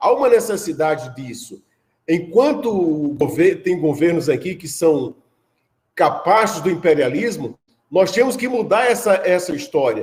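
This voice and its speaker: At a fairly slow pace, the voice makes very wide pitch swings and big swings in loudness. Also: man, high pitch for a man. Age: 60s. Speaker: political commentary show co-host. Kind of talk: political commentary discussion.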